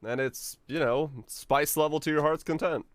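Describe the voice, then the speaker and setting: A man's voice: fairly high pitch, fairly even intonation, normal speed, dry recording. Casual male game streamer from Finland, close dry sound. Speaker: game livestreamer. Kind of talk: casual chat with stream viewers.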